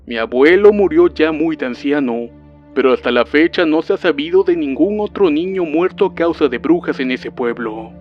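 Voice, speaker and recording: A man narrating a witch horror story in a calm, even storytelling voice. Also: fairly high pitch, normal speed. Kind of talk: scripted narration. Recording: dull lo-fi sound with faint music.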